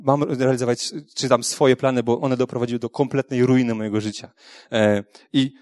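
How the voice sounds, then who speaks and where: Man sharing a candid faith testimony, plain mid-range voice, chatty and halting, recorded dry. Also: medium pitch, no echo. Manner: conversational, frequent tag questions and restarts; frank and earnest. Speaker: speaker giving a faith testimony. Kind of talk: personal testimony talk.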